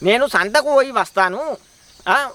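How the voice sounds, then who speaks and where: Brief: a crude, bossy village husband from Telangana, a man voicing him, high and tense. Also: animated, unhurried, sharp tone, no echo, full character voice. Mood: scheming. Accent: Telangana Telugu.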